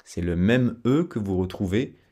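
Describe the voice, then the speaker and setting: A man giving a French pronunciation lesson, saying model sentences with careful, syllable-by-syllable articulation and repeating each phrase slowly. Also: lowish voice, expressive, warm tone.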